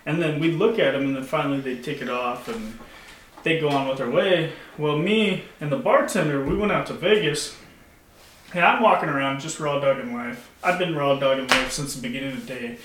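A man's voice: medium pitch, brisk, fairly bright tone, far from the mic. A man telling stories in a loose, laughing way, swearing freely as a podcast co-host. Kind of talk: casual storytelling chat. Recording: echoey room, off-mic, faint noise.

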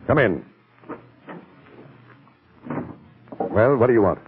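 Man acting gruff crooked boss, bullying, jittery, rapid delivery, swooping intonation, old radio drama. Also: lowish voice, expressive, natural voice. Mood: brusque, irritable. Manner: blustering, brusque. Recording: noisy, tinny old radio recording.

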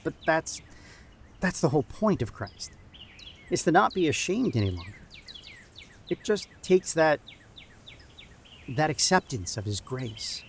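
An actor playing an earnest, encouraging church camp youth leader who haltingly repeats and restarts his phrases in an audio drama. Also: on the high side, sing-song. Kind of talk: improvised-sounding audio drama dialogue. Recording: outdoor background noise with birdsong.

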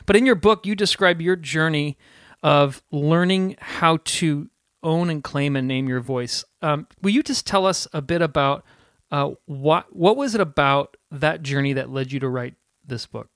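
A man's voice: on the high side, unhurried, a bit bright, no echo, clean studio sound. A man co-hosting a podcast, talking casually with self-deprecating jokes and stammered restarts. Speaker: podcast co-host. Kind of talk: casual interview chat.

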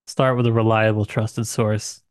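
A man's voice: on the low side, little pitch movement, a little slow, no echo. A man co-hosting a podcast, thinking aloud informally in a casual discussion of literature. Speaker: podcast co-host.

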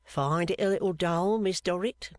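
A narrator voicing an odd, sharp-eyed male clerk who speaks low and confidingly, teasing with questions. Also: normal speed, dry recording, clean studio sound, natural voice. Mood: sly, confiding. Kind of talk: audiobook character voice.

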